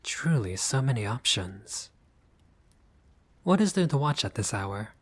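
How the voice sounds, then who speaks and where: A man's voice: medium pitch, big pitch swings, unhurried, fairly bright tone, slightly rough, exaggerated voice. A man playing a haughty but friendly vampire lord in a roleplay audio, speaking in a formal, fussy, politely pompous way. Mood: curious, polite. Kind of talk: scripted roleplay audio addressed to the listener.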